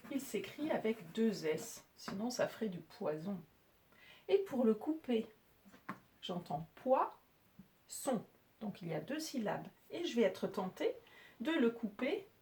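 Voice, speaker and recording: A mellow woman's voice, pitched on the high side, guides pupils through French syllables and spelling. It's a children's spelling lesson, delivered at a slow pace with patient, clearly spoken explanations.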